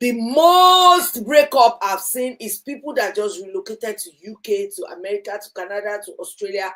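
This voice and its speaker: In a Nigerian accent, a woman with a fairly high pitch talks at a moderate pace with hardly any pauses. Her pitch swings very widely and her loudness rises and falls sharply. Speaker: celebrity gossip vlogger. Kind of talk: casual chat.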